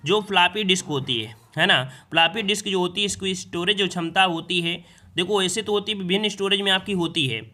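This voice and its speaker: A man's voice: sits high, brisk, pushed and bright. A man teaching exam prep, reading quiz questions and explaining each answer, often repeating the question to his students.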